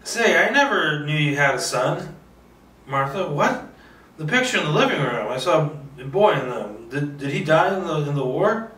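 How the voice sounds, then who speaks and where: Courteous cop-like man played by a male reader, firm and probing, bright voice, distant mic, table read. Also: a little high, very animated, moderate pace. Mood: polite, curious. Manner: polite but firm, probing. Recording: roomy, distant microphone.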